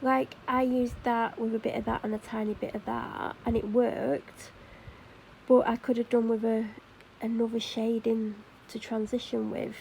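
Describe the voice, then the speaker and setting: A woman's voice: a little high, flat delivery, normal speed, vocal fry, darkish tone, a little hiss or hum, poor audio. A woman with a Mancunian accent chatting casually to camera while doing her makeup, rambling with fillers and self-corrections. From Manchester, England. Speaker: vlogger.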